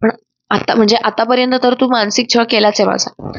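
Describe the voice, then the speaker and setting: A woman's voice: a little high, flat delivery, fairly quick, natural voice. A woman voicing a spiteful, scheming young wife who taunts her husband. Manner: sharp, scornful taunting. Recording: dull, dry voice-over.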